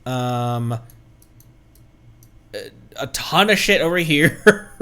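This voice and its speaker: A man's voice: on the high side, expressive, extremely slow, pushed and bright, clear, resonant tone. A man streaming a video game with casual, playful live commentary, reacting and exclaiming as he plays. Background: faint game music.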